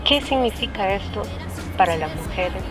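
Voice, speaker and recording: A woman's voice: mid-range voice, animated, moderate pace. Salvadoran woman radio host over music. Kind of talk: radio presentation.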